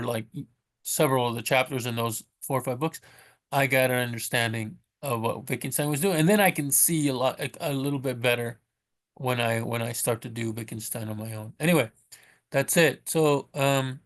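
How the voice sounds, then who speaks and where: A man talking casually and unscripted in a low-key way, haltingly correcting himself as he recommends things like a vlogger. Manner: halting, self-correcting, rambling delivery; low-key, self-described monotone. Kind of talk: casual unscripted vlog talk.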